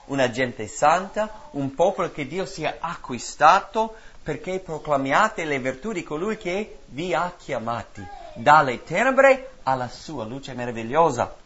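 A man preaching a sermon in a rhythmic, repetitive cadence, swinging between loud emphatic lines and hushed drops. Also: on the high side, lo-fi sound.

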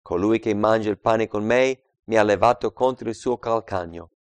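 A man preaching a Bible study, reading scripture aloud and explaining it, swinging between loud emphatic passages and quiet asides. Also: on the low side, normal speed, clear, resonant tone, no echo. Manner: reads scripture aloud and explains it, calling out verse numbers.

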